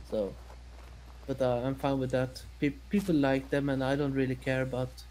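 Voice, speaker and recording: A man from Sweden with a Swedish accent chats casually and haltingly in his second language, in an easygoing way. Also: mid-range voice, fairly even intonation, darkish tone, slight background noise, low-quality recording. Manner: halting, easygoing, quick to laugh. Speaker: guest co-streamer. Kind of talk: casual chat.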